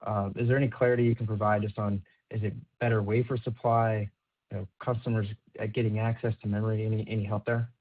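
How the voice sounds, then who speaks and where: A man's voice: lowish voice, little pitch movement, quick pace. A man asking an unscripted question as a financial analyst, in informal, piecemeal phrasing. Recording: narrow tinny phone-line sound.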